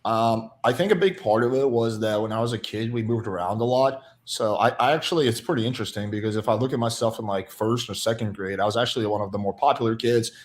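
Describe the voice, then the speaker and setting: A man's voice: fairly low pitch, quick pace, hardly any pauses. A young man from Russia on a podcast, casually telling candid, self-deprecating stories about his past. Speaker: podcast guest. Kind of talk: casual chat.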